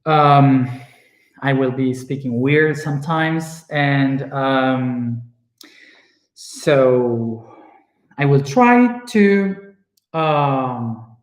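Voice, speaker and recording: A young man with an Argentine accent and Spanish as his first language, talking to his viewers in a casual personal monologue and often pausing to search for words. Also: medium pitch. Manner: searching for words, many fillers and restarts. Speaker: spiritual speaker. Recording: echoey room.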